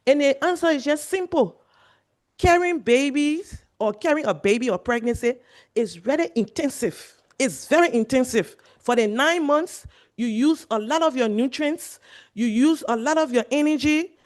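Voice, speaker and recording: A woman's voice: sits high, lively intonation, moderate pace, darkish tone. A woman from Liberia giving a health presentation to journalists, earnest and repeating her key points. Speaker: medical speaker at a journalist training.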